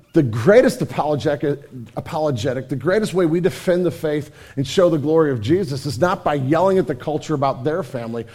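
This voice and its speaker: A middle-aged pastor preaching in a church, his voice raspy and hoarse, earnest and emphatic with many repetitions. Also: a little high, warm tone. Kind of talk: sermon. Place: church sanctuary.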